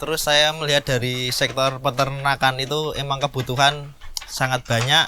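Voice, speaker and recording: There is noticeable background noise as a man speaks at a moderate pace. His fairly high-pitched voice stays monotone and flat. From Central Java, Magelang. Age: 20s. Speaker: sheep farmer. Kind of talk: interview testimony. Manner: casual, with hesitations.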